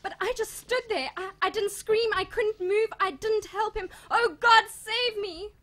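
Woman playing a very high-pitched, terrified nun. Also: pushed and bright, heavily acted. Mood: terrified, tearful. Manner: breathless, halting, distraught. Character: terrified, helpless nun in shock. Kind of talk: audio drama acting.

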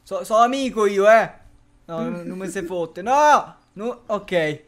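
In a laid-back let's-play of a survival game, a man with a high-pitched voice and lively intonation speaks slowly. He keeps laughing, cursing, and shouting at the zombies.

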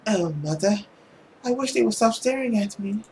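A man's voice: sits high, normal speed, darkish tone, a little hiss or hum, pitched above the performer's own voice, low-quality recording. A man voicing an anxious young woman with secret plans of revenge in a visual novel, read dramatically.

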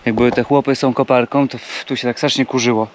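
A man's voice: mid-range voice, fairly even intonation, quick pace, slight background noise. A man vlogging casually outdoors on a rural plot, thinking aloud with fillers and talking to his viewers. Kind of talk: casual vlog commentary.

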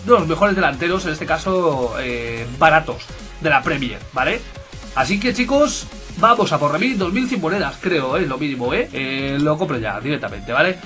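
A young man, casually commentating a football video game, excitable and swearing, addressing viewers as lads, with game music playing behind him. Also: fairly high pitch, normal speed. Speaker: gameplay commentator.

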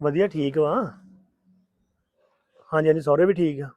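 An actor playing an impatient young husband who insists on going home in a family drama. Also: male voice, a little high, fairly even intonation, moderate pace, no room sound, muffled recording, natural voice. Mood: on the phone. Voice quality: insistent, grumbling. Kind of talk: Punjabi family drama acting.

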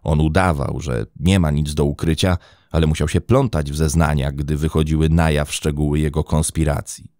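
Deep, dark-voiced male narrator. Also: flat delivery, no room sound, clean studio sound. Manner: measured storytelling delivery. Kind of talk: scripted true-crime narration.

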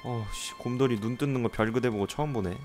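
A man's voice: medium pitch, quick pace, darkish tone, soft background music. A man giving casual, jokey commentary while playing a horror game, exclaiming and swearing at scares. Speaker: game streamer.

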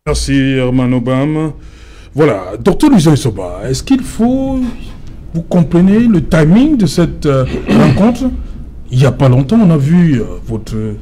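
A man's voice: on the high side, very animated, a little slow, mellow. Young man hosting a TV debate. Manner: probing questions with restarts. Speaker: TV debate host. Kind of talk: studio talk show moderation. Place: TV studio.

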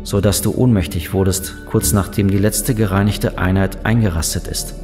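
A man acting as a spaceship's computer in a sci-fi audio drama. The voice is fairly low, calm and dispassionate. It reports in measured, formal, matter-of-fact sentences, with music clearly behind it. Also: natural voice. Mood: calm, factual. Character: calm, dispassionate male ship computer, factual and polite.

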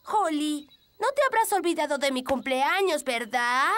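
A woman's voice: sits high, expressive, a little slow, a bit bright. A woman voicing a polite, cheerful little elf boy in a children's cartoon, with a Latin American Spanish accent. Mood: cheerful, expectant.

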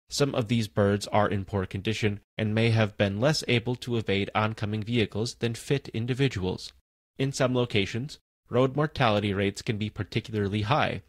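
A man reading an encyclopedia article aloud in a steady, even manner. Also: fairly low pitch, dry recording. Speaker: volunteer article reader.

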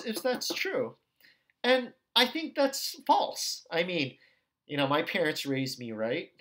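Man teaching ethics, lively pitch. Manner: conversational, checks in with "okay" and "right"; acts out quoted questions with shifting tones. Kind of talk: recorded lecture video.

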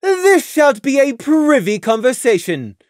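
A stern royal mare who speaks in thee and thou, pitched high and loud, as a reader puts her on. Her speech swings widely in tone, imperious and commanding. The recording is dry and close. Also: very animated, measured pace, no room sound. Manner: archaic formal speech, commanding. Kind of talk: audiobook reading of fan fiction.

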